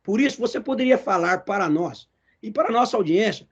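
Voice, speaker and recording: A man's voice: high-pitched, animated, fairly quick, husky. A man in his fifties with a Brazilian Portuguese accent, a talkative former athlete interviewing a guest. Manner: talkative, self-described loudmouth. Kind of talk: interview questions. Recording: dull lo-fi recording.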